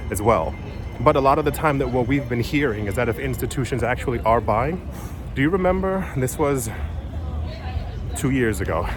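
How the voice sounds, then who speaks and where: A man filming a casual vlog outdoors, rambling with many fillers and restarts, often keeping his voice low in public. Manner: drops his voice to talk quietly in public. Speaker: crypto vlogger. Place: outdoors on a city street with traffic. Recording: street traffic noise behind.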